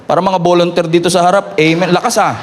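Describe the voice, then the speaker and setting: A man's voice: high-pitched, flat delivery, quick pace, background noise. A middle-aged male pastor preaching a sermon to his congregation, impassioned, with rhetorical questions and calls for hands raised. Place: church sanctuary before a congregation. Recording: long reverb of a large hall.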